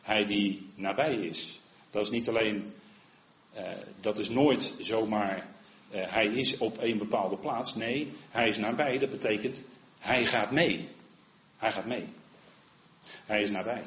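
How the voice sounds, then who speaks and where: A man preaching a sermon in an earnest manner, often asking "hè?" and growing louder when he quotes the Lord. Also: fairly low pitch, a little slow. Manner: earnest, rises in volume when quoting the Lord, frequent "hè?". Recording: roomy, slightly dull recording.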